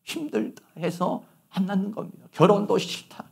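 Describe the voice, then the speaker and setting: A man's voice: sits high, normal speed, gravelly, a little mellow, slightly rough. A middle-aged male pastor preaching a sermon, telling stories and asking rhetorical questions.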